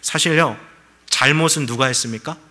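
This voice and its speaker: Bright-voiced man preaching conversationally. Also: a little high, moderate pace. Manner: conversational preaching with rhetorical questions. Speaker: pastor. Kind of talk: sermon.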